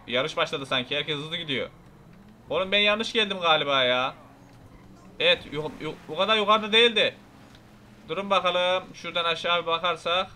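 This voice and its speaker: A man's voice: high voice, sharp tone, slight background noise. A young man giving casual, rowdy gameplay commentary, chatting to viewers and mock-threatening game characters. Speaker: gameplay YouTuber. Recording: faint music behind.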